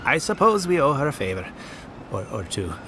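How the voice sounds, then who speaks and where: A man's voice: mid-range voice, very animated, brisk, background noise, close to an everyday voice. An actor playing a fussy, pompous male researcher with a theatrical, sardonic, condescending manner. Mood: eager, prying. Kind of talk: video game character dialogue.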